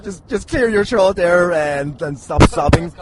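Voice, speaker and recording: A man's voice: high-pitched, unhurried, over a noisy crowd. An Irish man hosting a podcast with casual, jokey, teasing chat and some swearing. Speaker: podcast host. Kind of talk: casual comic banter. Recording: very noisy, slightly distant at times.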